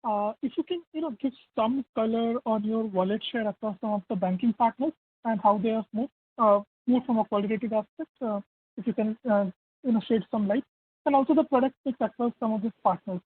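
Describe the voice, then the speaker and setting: A woman's voice: fairly high pitch, a little fast, husky. A woman, an analyst asking questions on an earnings call, politely and with frequent fillers. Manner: polite, many "you know" fillers. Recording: tinny phone line.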